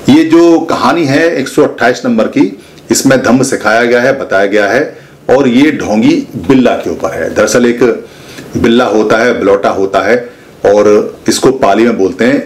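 A man narrating a moral folk tale in a casual, explanatory way, repeating himself and digressing into word meanings. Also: mid-range voice. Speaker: storyteller.

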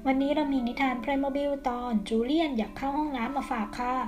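A woman's voice: high voice, steady tone, brisk, over music. A woman narrating a toy story intro for children in a polite, announcing manner.

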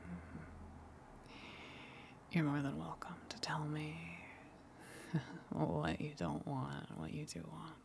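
A woman playing a gentle, lonely sea monster in an ASMR roleplay, coaxing softly in a breathy, soothing whisper. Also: deep voice, steady tone, a little hiss or hum, full character voice. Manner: slow, soothing, coaxing, long pauses.

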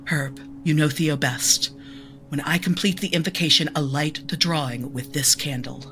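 A woman voicing a mystic who leads a seance, speaking in a solemn, hushed, incantatory way. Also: low-pitched, steady tone, moderate pace, soft background music. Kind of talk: audio drama acting.

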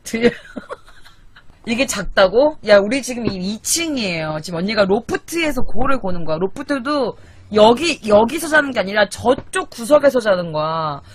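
A young woman from Korea talks into a desk mic in a small apartment late at night, venting in a casual livestream chat. Her pitch swings widely as she complains, and she swears freely in her exasperation. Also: sing-song, moderate pace. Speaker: live streamer. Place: small apartment at night, sister asleep in the loft. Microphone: desk microphone.

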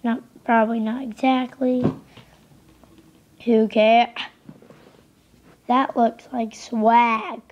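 A young woman casually commenting on a game she is playing, a little hoarse from being sick, rambling and easily distracted. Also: on the high side, little pitch movement, extremely slow, pauses often. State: losing voice, sick. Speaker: gameplay commentator. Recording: slightly dull lo-fi home recording.

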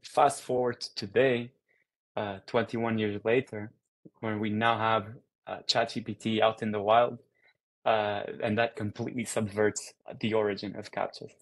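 A man's voice: on the low side, little pitch movement, normal speed, low-quality recording. A young man from Portugal giving an online research talk over a video call, in a casual, upbeat way with frequent fillers. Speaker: guest speaker.

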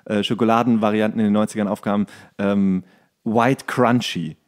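A man's voice: lowish voice, fairly even intonation, moderate pace. Playful man chatting casually. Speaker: podcast host. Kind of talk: casual, joking podcast chat.

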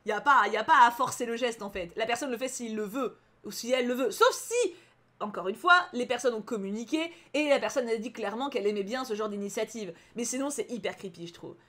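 Animated young woman reading a visual novel. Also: on the high side, fast, hardly any pauses. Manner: animated, exclaims and shouts in outrage. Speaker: let's player.

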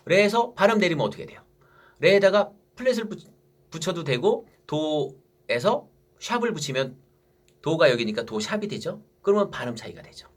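A man's voice: on the high side, fairly bright tone. A man teaching basic music theory for saxophone, asking his students questions and answering them himself.

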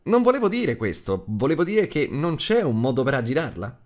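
A man's voice: mid-range voice, very animated, fairly quick, voice pushed up, lightly acted. A man voicing a small, timid male hobbit in an audiobook, whining and flustered. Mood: flustered protest. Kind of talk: audiobook character acting.

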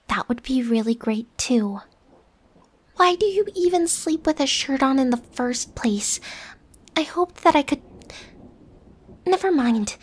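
A woman playing a bossy, defensive but secretly affectionate young roommate in an ASMR roleplay, huffy with breathy whispered asides. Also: sits high, full character voice. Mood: sulky.

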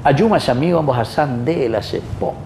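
A man in his fifties with a Paraguayan accent, a Catholic priest preaching earnestly in deliberate short phrases. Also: mid-range voice, animated. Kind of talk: Gospel reading and homily. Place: small wood-panelled chapel, indoors. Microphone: lapel mic. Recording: roomy echo, faint background noise.

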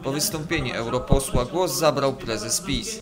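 A man reading a scripted news report with an even, formal delivery. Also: medium pitch, moderate pace, a crowd in the background, noisy background. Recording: voice-over with music beneath.

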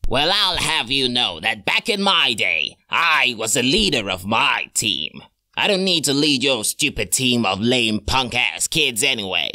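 Sharp, forceful grumpy ex-leader played by a man. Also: mid-range voice, sing-song, a little slow, voice pushed down, heavily acted. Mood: indignant. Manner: indignant, scoffing. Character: grumpy, boastful former team leader. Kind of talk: character demo reel acting.

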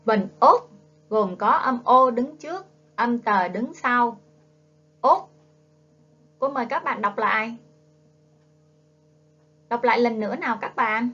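This woman, a primary school teacher with a Southern Vietnamese accent, teaches young children to read in a coaxing phonics lesson, prompting them to repeat her. Her voice sits on the high side, a bit bright with lively intonation, and she speaks slowly with frequent pauses. The classroom video audio is dull and lo-fi.

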